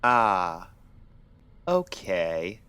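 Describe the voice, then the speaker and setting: Stern pony doctor, played by a man: low voice, guarded, clinical and authoritative, for audio drama. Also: big pitch swings, extremely slow, sharp tone, clean tone, full character voice. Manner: clinical, questioning, commanding. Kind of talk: dramatic audio story acting.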